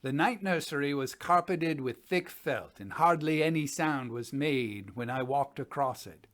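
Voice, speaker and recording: A man in his sixties playing a sober, methodical gentleman scientist, reading a formal report deliberately as a dramatic piece. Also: fairly high pitch. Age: 60s. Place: indoors, small study.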